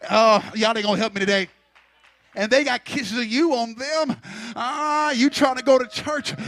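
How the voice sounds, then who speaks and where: A man's voice: very high voice, fairly bright tone, no room sound. A man preaching a sermon into a pulpit microphone, building fervor and teasing the congregation to respond.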